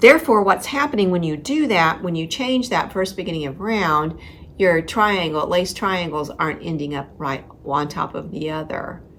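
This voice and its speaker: A woman's fairly low voice with lively intonation at a moderate pace, over noticeable background noise. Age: 60s. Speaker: knitting vlogger. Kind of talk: knitting tutorial vlog. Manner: casual, chatty with hesitations.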